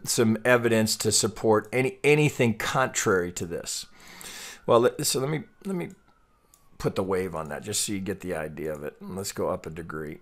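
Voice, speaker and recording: A man giving an off-the-cuff trading chart tutorial, thinking aloud in a halting way and often repeating his words. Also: on the low side. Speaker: trading analyst and host.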